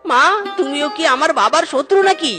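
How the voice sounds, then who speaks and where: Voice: sits high, expressive, brisk, music in the background. An actor voicing a stingy, panicky young duck son in a comedy cartoon, whining in exclamations. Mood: whiny, alarmed. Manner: whining exclamations, repeated catchphrase. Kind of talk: Bengali comedy cartoon dialogue.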